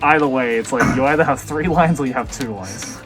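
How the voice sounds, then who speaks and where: A man's voice: medium pitch, fairly quick, music in the background. A man doing casual vlog banter as a podcast host, teasing and prone to swearing.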